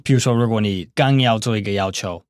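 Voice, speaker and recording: A man's voice: lowish voice, quick pace, no room sound, clean studio sound. A man co-hosting an English lesson in a casual chat, switching between English and Mandarin with many hesitant fillers. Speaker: co-host and English teacher.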